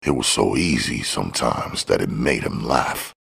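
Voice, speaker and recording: A man's voice: rumbling low, normal speed, creaky, a bit bright, breathy edge. A man reading crime fiction aloud as scripted audiobook narration.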